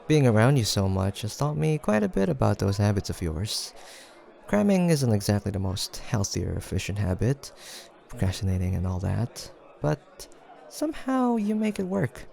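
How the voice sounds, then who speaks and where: A man performs a young male friend in a casual audio roleplay, full of affectionate teasing. His voice sits a little low with a gravelly creak. The delivery is animated and playful, sliding up and down as he banters with the listener. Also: full character voice.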